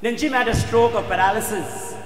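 Man, higher-pitched voice, Catholic priest, solemn emphatic sermon, dramatic pauses, long church reverb. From India. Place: inside a church. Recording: echoey church hall, faint background noise.

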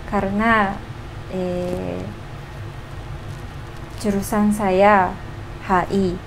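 Slow-talking Japanese woman, a foreigner speaking Indonesian. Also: mid-range voice, little pitch movement, creaky. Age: young adult. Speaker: co-host of couple's vlog. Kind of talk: casual chat. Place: small home kitchen, indoors. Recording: noticeable background noise, home kitchen.

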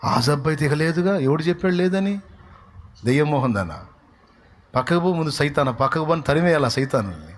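Speaking expressively and fairly fast, this male pastor voices the crowd of scoffers with changing pitch and loudness. His sermon climbs toward forceful rhetorical questions.

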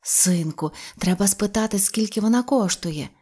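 Woman doing a gentle, careful mother. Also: mid-range voice, moderate pace, breathy edge, lightly acted.

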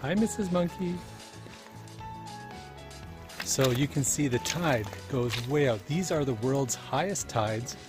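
A man's voice: medium pitch, lively intonation, takes it slowly, pauses often, music in the background. A man in his forties hosting a geocaching travel vlog, talking in an upbeat, playful tour-guide way. He films himself outdoors with a camera held at arm's length. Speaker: geocaching vlogger host. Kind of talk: travel vlog with voice-over narration. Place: outdoors at seaside and trails. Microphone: handheld camera at arm's length.

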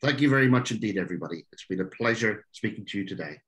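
An Irish man presents an online talk with earnest conviction. His voice moves lively up and down, and he leans on small fillers as he goes. It sounds like a video call. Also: fairly low pitch, rapid-fire. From Ireland. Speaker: speaker. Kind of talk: webinar talk.

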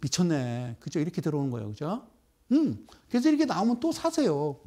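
Animated, high-pitched male stock lecturer. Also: brisk. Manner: animated, banters with viewers and asks rhetorical questions. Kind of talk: live broadcast stock trading lecture.

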